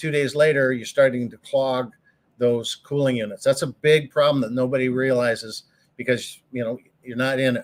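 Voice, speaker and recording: A man with a plain, everyday voice, medium pitch and a fairly quick pace. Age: 60s. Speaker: RV industry expert. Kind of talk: live Q&A on a talk show. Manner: conversational with many fillers.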